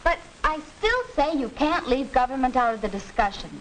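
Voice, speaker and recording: A young woman playing a confident high school student lecturing her classmates, in 1940s educational film acting, on a hissy old film soundtrack. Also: lively intonation, moderate pace, fairly bright tone, rough recording.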